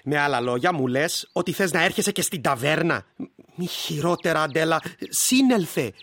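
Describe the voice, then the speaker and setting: A man's voice: on the high side, expressive, a bit bright, dry recording. An actor playing an impatient husband who gambles and scolds his wife in curt, exasperated lines. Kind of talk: audio drama acting.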